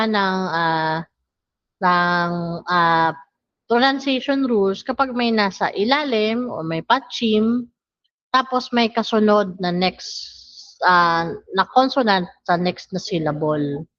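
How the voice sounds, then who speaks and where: Slow, bright-voiced woman teaching a lesson. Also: medium pitch, no room sound. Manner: slow, drawn-out syllable drills. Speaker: language teacher. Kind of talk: online language lesson. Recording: dull lo-fi sound.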